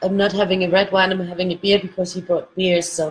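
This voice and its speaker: Flat and monotone, a woman's somewhat breathy voice at medium pitch moves along at a fairly quick pace. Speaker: artist. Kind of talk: casual live-stream commentary while coloring. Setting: home, live stream. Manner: relaxed, conversational.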